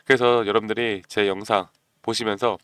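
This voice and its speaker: A man hosting a stock market channel, talking persuasively to viewers and often clearing his throat because of a cold. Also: fairly low pitch, level tone, brisk, a bit bright, dry recording. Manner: persuasive, keeps asking viewers "you know?". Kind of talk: stock analysis talk to viewers.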